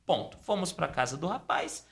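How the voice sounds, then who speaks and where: A man's voice: normal speed, gravelly. A middle-aged man, a podcast guest telling a personal story casually and acting out the dialogue. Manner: animated storytelling, acting out dialogue with pitch swings. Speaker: podcast guest, Umbanda priest.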